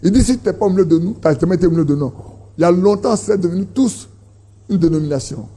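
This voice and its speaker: Husky preacher. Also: male voice, expressive, quick pace, warm tone. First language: an Ivorian language. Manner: emphatic, rising in pitch to stress points, repeats phrases. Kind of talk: sermon.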